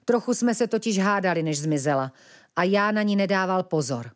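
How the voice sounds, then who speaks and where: A young male ferret cries out in a high, eager voice, as a woman reading a fairy tale plays him. His pitch leaps up and down with feeling. He pleads urgently. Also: lively intonation, natural voice. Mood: worried.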